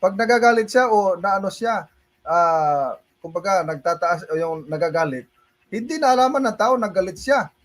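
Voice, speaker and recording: Filipino pastor guy, high voice, preaching on a stream and mixing in english, chuckles a lot. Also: lively intonation, normal speed. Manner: mixes Tagalog and English, laughs often, calls listeners brothers and sisters. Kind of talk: livestream sermon with Q&A.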